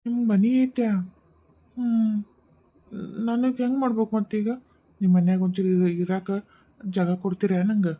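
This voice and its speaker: A woman's voice: mid-range voice, level tone, moderate pace, pauses often, dark tone, lightly acted. A woman with a North Karnataka Kannada accent, voicing a self-pitying male ghost in a cartoon. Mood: pleading. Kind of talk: cartoon voice acting.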